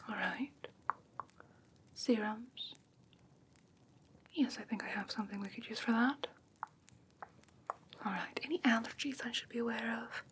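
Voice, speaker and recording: A woman playing a curious, haughty fae creature in an ASMR fantasy roleplay, whispering softly in a hesitant, musing, gently condescending way. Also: a little high, a little hiss or hum. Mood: curious, soothing. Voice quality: soft breathy whisper.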